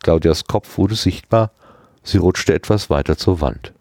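A man reading a story aloud in an expressive manner, giving each character a voice. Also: deep voice, measured pace, vocal fry, no room sound, clean studio sound. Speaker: audiobook reader.

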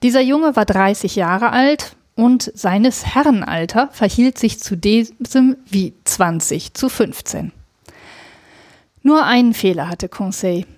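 A woman's voice: mid-range voice, no echo, clean studio sound. Woman reading a novel aloud. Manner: steady, measured storytelling. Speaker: podcast reader.

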